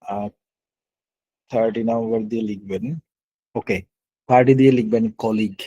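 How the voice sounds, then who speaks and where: A man's voice: fairly low pitch, fairly even intonation, moderate pace, dark tone. A man running a live online spelling quiz, counting down and spelling words out letter by letter. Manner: patient, explanatory. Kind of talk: live online class, calling on students.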